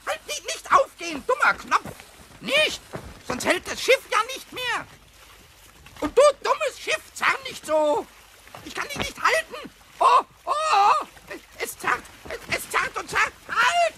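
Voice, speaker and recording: Tiny excitable kobold, squeaky, sharp, very animated, stammering, boastful, children's audio drama. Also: male voice, measured pace, heavily acted. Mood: panicked. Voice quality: squeaky, shrill. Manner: stammering, repeating words in excitement. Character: cheeky little invisible male kobold, boastful and excitable. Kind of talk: German children's radio play acting. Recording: faintly noisy old cassette recording.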